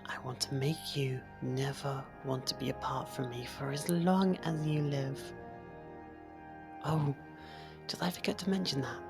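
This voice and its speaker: A performer voicing a sly, possessive faerie royal in an ASMR fantasy roleplay, coy and deliberate, drifting toward whispers. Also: mid-range voice, steady tone, creaky, music in the background. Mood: smug, possessive.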